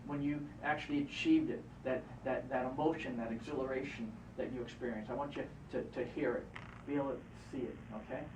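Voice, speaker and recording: A hypnotist guiding a volunteer through a live exercise, repeating encouraging instructions. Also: male voice, mid-range voice, fairly even intonation, a little fast, noisy background. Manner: coaching, repetitive, encouraging. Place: event room. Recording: roomy, distant, muffled live event recording.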